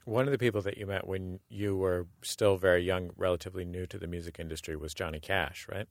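Low-voiced male interviewer. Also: fairly even intonation, fast talker, dry recording, clean studio sound. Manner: curious, casual questions. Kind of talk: interview questions.

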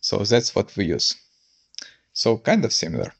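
A man's voice: on the low side, wildly swooping pitch, moderate pace, gravelly, breathy edge. A man leaving a voice memo, speaking carefully. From Ukraine. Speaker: listener caller. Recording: dull lo-fi voice memo.

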